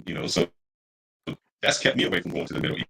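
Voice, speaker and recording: A man chatting on a livestream over a glitchy online connection with static, his voice speeding up and slowing down as he talks in a rambling, reflective way. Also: bright, forceful tone, poor audio. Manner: rambling, reflective, addresses listeners as brothers and friends. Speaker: livestream co-host. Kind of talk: casual chat.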